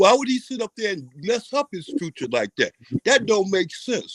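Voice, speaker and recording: Speaking at a moderate pace in a raised, projected voice, a man uses lively intonation with a bright, sharp tone and a dry, close sound with no echo. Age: 60s. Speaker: caller on boxing livestream. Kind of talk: casual chat. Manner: halting.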